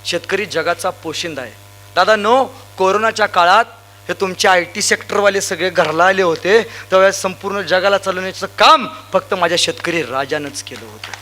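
Young guy from sangli doing a loud stage pep talk, high bright voice, punchy stories. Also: moderate pace. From Sangli district, Maharashtra. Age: young adult. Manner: loud, emphatic, rousing, addresses crowd directly. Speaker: motivational speaker. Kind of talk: stage motivational speech with anecdotes.

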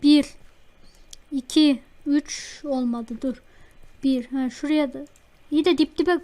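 A woman hosting a let's play, chatting to herself and her viewers as she plays, easily excited. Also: sits high, slow pace. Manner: chatty, talks to self while playing, easily excited. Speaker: gaming channel host. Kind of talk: let's play game commentary.

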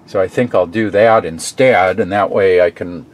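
A middle-aged man casually narrating a hands-on repair in his workshop, thinking aloud with halting fillers, recorded on the camera mic. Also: deep voice, fairly even intonation. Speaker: DIY repair vlogger. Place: garage workshop and shed.

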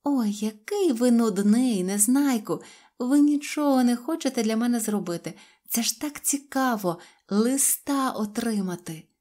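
A woman's voice: a little high, mellow, voice pushed up, lightly acted. A woman voicing a little girl coaxing a boy to write her a letter. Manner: pleading, drawn-out coaxing.

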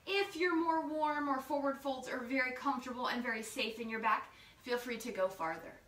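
A yoga instructor talks her class through each step in a high-pitched, fairly bright voice at a moderate pace, keeping things playful, casual and encouraging. She is indoors in a home living room, and the far-off camera gives the audio a roomy feel.

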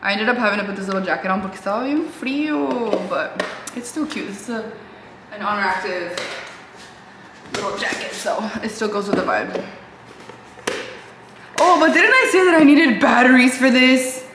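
A woman's voice: fairly high pitch, normal speed, long pauses, roomy sound, noisy background. A young woman in her twenties vlogging casually from her home gym on a lapel mic, chatty and giggly, slipping in Spanish phrases. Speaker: fitness vlogger. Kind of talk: casual vlog chat to camera. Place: small home gym, indoors.

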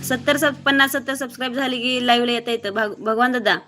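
A woman from Maharashtra hosting a live stream, briskly greeting viewers by name and reading their comments aloud in a blunt, outspoken way. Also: a little high, level tone, pushed and bright. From Maharashtra, near Mohol. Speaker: livestreamer.

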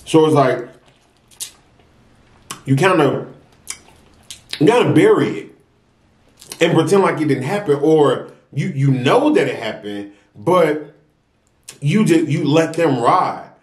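A young American man chatting casually and earnestly to viewers while eating, unhurried between bites. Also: on the high side, animated. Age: young adult. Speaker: mukbang vlogger. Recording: roomy, echoey sound.

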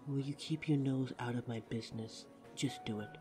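A man's voice: medium pitch, normal speed, lightly acted. A man playing an ageless, easygoing coffee house worker in an audio drama, chatting casually and fondly. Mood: relaxed, fond. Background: music.

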